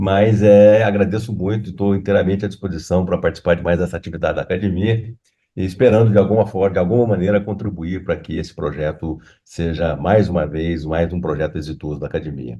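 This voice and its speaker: This man's voice is very deep and low, with a dark, mellow tone and ordinary pitch variation. He talks at a fairly quick pace. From interior of São Paulo state, Brazil. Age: 60s. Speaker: labour lawyer and law professor. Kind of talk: interview. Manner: halting, with many repetitions.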